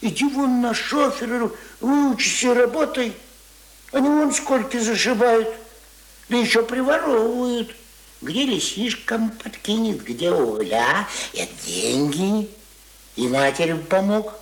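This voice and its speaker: A man's voice: high-pitched, animated, measured pace, poor audio. An actor playing a querulous, hungover old village grandfather who grumbles in folksy speech in a radio play. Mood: scolding. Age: older. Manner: folksy, querulous, muttering and exclaiming.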